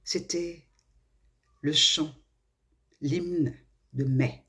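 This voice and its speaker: A woman from Morocco telling a children's tale expressively, with dramatic pauses and hushed phrases. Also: sits low, fairly even intonation. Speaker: storyteller.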